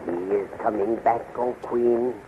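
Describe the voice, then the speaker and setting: A man playing an obsequious henchman of a queen, gravelly and formally declamatory, in a 1930s radio serial. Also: fairly low pitch, measured pace, phone-quality sound, lightly acted. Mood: deferential. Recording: thin, noisy 1930s radio recording.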